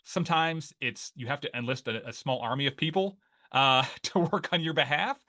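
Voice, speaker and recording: A man's voice: on the high side, moderate pace, bright, forceful tone. A man in his forties from Northeast Ohio with an Ohio accent, talking as a guest in a casual interview and rambling with many fillers and restarts. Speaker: guest, newsletter writer.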